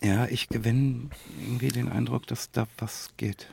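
A man's voice: medium pitch, fairly even intonation, moderate pace, creaky, a little mellow, slightly rough. A man, co-hosting a casual podcast chat and often tagging phrases with a questioning "ne?". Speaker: podcast co-host, quiz poser.

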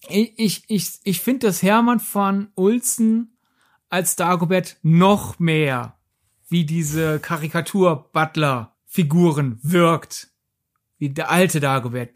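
A podcast co-host of medium pitch in a casual film discussion, talking in a rambling, analytical way. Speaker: podcast co-host reviewing films.

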